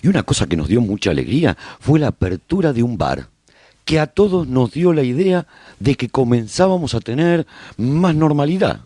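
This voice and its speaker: A man playing a survivor who recounts life in a post-apocalyptic colony, narrating a radio serial in an expressive, husky storytelling voice. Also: mid-range voice, normal speed, no room sound. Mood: hopeful. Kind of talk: scripted first-person radio drama narration.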